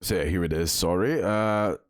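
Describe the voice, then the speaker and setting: A man's voice: deep voice, normal speed. A man giving casual game commentary as a video host, rambling and repeating words with many fillers.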